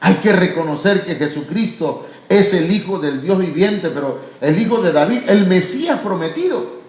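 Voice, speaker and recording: A Mexican pastor preaches fervently in a church, his high voice full of lively intonation, repeatedly calling listeners "hermano." When acting out pleas, he rises to loud, drawn-out cries. The sound is roomy and the recording rough.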